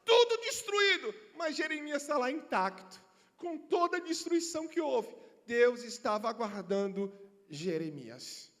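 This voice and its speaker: A man in his thirties, a pastor preaching a sermon, moving from soft personal storytelling to shouted passion. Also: extremely high pitch, very animated, a little slow. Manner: impassioned, swings between soft storytelling and shouting. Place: large church hall. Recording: church broadcast with long hall reverb.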